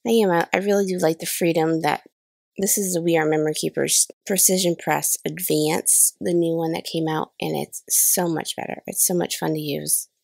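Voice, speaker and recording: Chatty woman with a cold, gravelly voice. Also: low voice, fairly even intonation, moderate pace, darkish tone, no echo. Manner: chatty, self-deprecating about mistakes. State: has a cold, slightly nasal. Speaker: card-making channel host. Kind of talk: casual crafting voice-over tutorial. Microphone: voice-over recorded separately.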